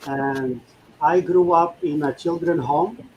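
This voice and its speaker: Over noticeable background noise, a man with an Eastern European accent speaks at a very slow pace with ordinary pitch variation. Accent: foreign, Eastern European-sounding. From Finland or Sweden. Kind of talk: casual chat.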